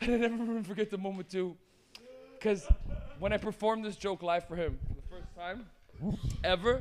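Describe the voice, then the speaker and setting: A man talks loudly at a high pitch and a moderate pace, his intonation fairly even and broken by long, frequent pauses. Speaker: stand-up comedian. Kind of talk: stand-up. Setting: stage with audience.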